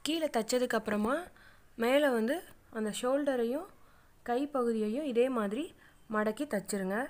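Woman, middle-aged, sewing tutorial voice-over, patient and plain, slightly high voice. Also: moderate pace. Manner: plain, patient instructions with frequent fillers. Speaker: craft channel host.

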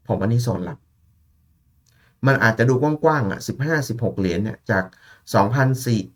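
A gold market analyst with a lowish, animated voice talks through trading charts at a moderate pace. His casual analysis is chatty, he thinks out loud, and he addresses listeners as "พี่" and "น้อง".

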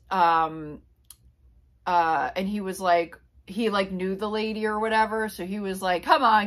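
A reseller vlogger in her forties from Pennsylvania, USA, chats casually to camera about her flea market finds in a small indoor room, rambling with lots of fillers and asides. Her mid-range voice is a bit bright. The camera sits on a tripod a few feet away.

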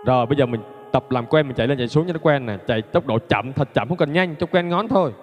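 A piano teacher gives a casual lesson in a medium-pitched, fast voice, chatting and joking and laughing at himself between fingering steps. Loud piano music and long reverb fill the recording.

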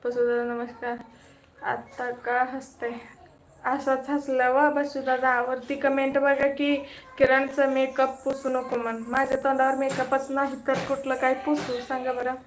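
Woman, Solapur Marathi accent, slow chatty livestreamer, phone mic. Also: sits high, little pitch movement, slight background noise. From Maharashtra, India. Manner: chatty, teasing, talks straight to viewers. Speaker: livestream host. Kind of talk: casual live chat reading comments.

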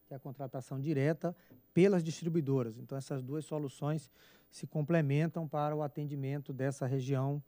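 A Brazilian man with a Brazilian Portuguese accent, an agency director making calm formal remarks over a video call. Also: a little high, brisk, no room sound.

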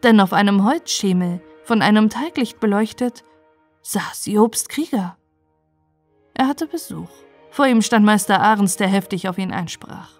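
A woman storyteller narrating a bedtime story in a calm, gentle way. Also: medium pitch, a little slow, soft background music.

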